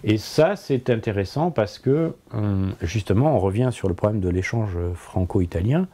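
A man's voice: lowish voice, animated, mellow, husky. A French-speaking man in his sixties, a philosopher giving an interview in a book-lined office, speaking thoughtfully with many hesitations and repeated words. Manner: thoughtful, halting, frequent repetitions and hesitations. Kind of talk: conversational interview.

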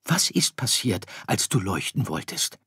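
A man voicing a caring, worried mother star who coaxes softly in an audiobook. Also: lowish voice, big pitch swings, unhurried, slightly rough, dry recording, studio quality, voice pushed up, exaggerated voice. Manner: soft, coaxing. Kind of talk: audiobook character voice.

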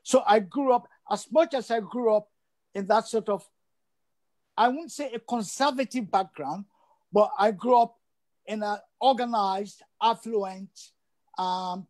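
A man's voice: high-pitched, darkish tone. An older man from Sierra Leone, a guest on a video call interview, speaking emphatically and repeating phrases for stress. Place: indoor room at home.

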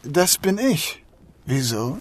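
A man's voice: fairly high pitch, sing-song, slow, exaggerated voice. A man playing a weary, dry, sceptical police detective inspector in a crime audio drama. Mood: curt. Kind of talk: naturalistic radio play acting.

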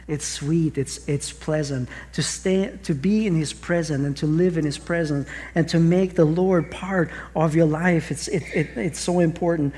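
A man's voice: a little high, measured pace, a little mellow. A middle-aged man with an Austrian accent, preaching a sermon on a church stage, earnest, with frequent restarts and rhetorical questions. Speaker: pastor. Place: large church stage with audience.

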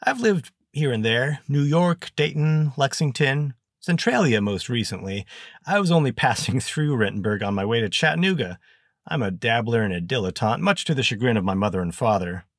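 A man voicing a wordy, pompous gentleman adventurer, in a dry close recording. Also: medium pitch, lively intonation, moderate pace, dry recording, voice pushed up.

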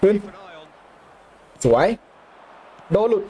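A young man commentating his own football video game match, calmly explaining tactics between loud excited outbursts. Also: extremely slow. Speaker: gaming YouTuber. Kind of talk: live gameplay commentary.

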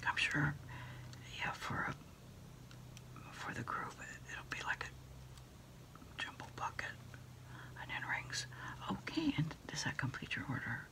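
Casting: American woman, creaky whisper, ASMR order-taker on the phone, unhurried and hesitant. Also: low voice, wildly swooping pitch. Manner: unhurried, hesitant, pausing as if listening to a caller. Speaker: ASMR creator role-playing a food delivery order taker.

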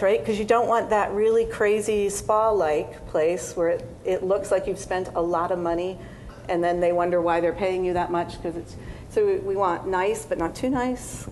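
Woman in her 40s, clinician speaker, middle pitch, relaxed talky lecture on stage. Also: normal speed, slight background noise, low-quality recording. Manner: conversational, with fillers and quoted asides. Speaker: physical therapist giving a conference talk. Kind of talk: conference lecture. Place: conference stage.

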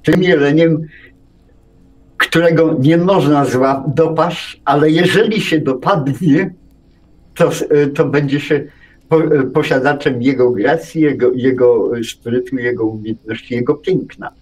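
A man's voice: on the high side, a little slow, low-quality recording. A man in a philosophical conversation, speaking earnestly and searching for his words as he goes. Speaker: guest presenting texts.

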